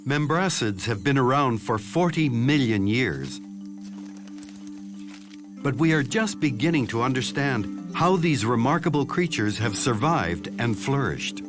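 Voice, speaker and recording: A man delivering scripted nature documentary narration in a measured, explanatory way. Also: mid-range voice, very animated, over music.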